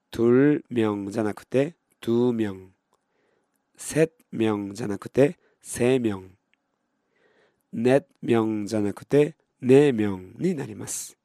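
A man's voice: fairly low pitch, normal speed, mellow, dry recording, studio quality. A man teaching beginner in Japanese, patiently repeating each word and modeling pronunciation for counting drills. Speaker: Korean language teacher.

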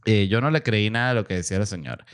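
A man hosting a podcast, telling a travel story in a casual, animated way and acting out the people he quotes. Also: racing, clear, resonant tone. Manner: animated, acts out quoted voices with big pitch jumps. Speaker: podcast host. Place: small home studio room.

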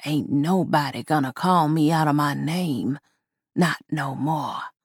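A woman voicing a sinister living wooden doll with a gravelly voice, slow and hushed. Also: low-pitched, dry recording, clean studio sound, voice pushed down, exaggerated voice. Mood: stern.

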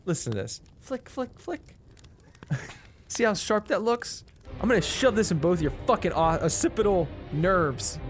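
Picture a smug hook-armed villain who gloats and monologues like a cheap stage baddie, as a man hams him up. His voice swoops through a lively range. Faint music sits underneath. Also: high voice, a little slow, full character voice. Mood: menacing. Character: evil hook-armed male realtor villain, smug and theatrical.

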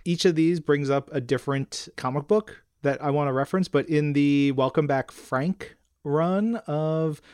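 A man's voice: a little high, unhurried, hardly any pauses, darkish tone, smooth, no room sound, studio quality. A man co-hosting a casual comics fan podcast, chatting enthusiastically and reading out listener messages. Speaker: podcast co-host.

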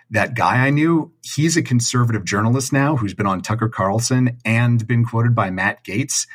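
A man's voice: lowish voice, slightly rough. A man in his thirties calling in as a listener, leaving an emphatic, wry, casual message. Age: 30s.

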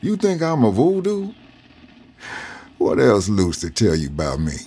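An actor playing an elderly former slave and Union veteran who is guarded, wry and folksy. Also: male voice, lowish voice, wildly swooping pitch, measured pace, mellow, breathy edge, exaggerated voice. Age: older. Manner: wary, folksy, drawling. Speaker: interviewee.

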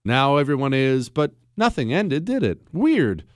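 A man's voice: mid-range voice, sing-song, a little slow, dry recording, studio quality. A man hosting a political talk show, delivering a mocking, jokey monologue with self-admiring asides. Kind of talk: sarcastic monologue.

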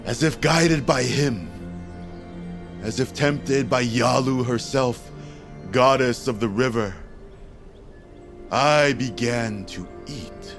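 An actor playing a grandiose, reverent tribal orator giving a ceremonial speech in an audio drama, with theatrical pauses. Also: male voice, mid-range voice, music in the background.

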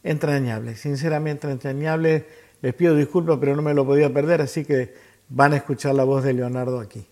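A man's voice: medium pitch, steady tone, brisk, dark tone. A man with an Argentine Spanish accent speaking as a radio host, giving reflective tribute commentary.

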